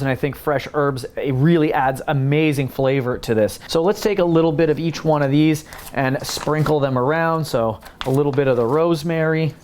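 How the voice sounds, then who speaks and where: A man hosting a home cooking tutorial, chatting casually and explaining each step as he works in his kitchen. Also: fairly high pitch. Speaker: home cooking channel host.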